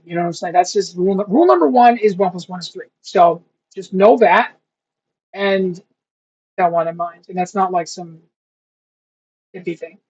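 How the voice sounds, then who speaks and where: A young man thinking aloud in a casual study vlog, rambling and slowly sounding out foreign words. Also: sits high, a little mellow, husky. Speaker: language learner vlogger. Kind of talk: casual self-talk while studying. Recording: dull lo-fi recording.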